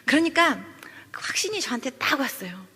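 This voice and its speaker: A woman's voice: high voice, big pitch swings, a little fast, bright, forceful tone. A woman pastor giving a sermon testimony, telling her story with animation and acting out the voices of people she quotes. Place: church sanctuary. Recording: church hall reverb.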